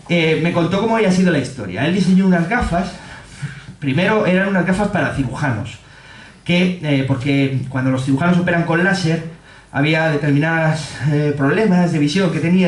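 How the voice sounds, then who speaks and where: A man with a Spanish accent giving a humorous talk in a pub, laughing often and acting out quotes in a high voice. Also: roomy sound. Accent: Spanish from Spain. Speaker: speaker giving a public talk. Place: pub with an audience.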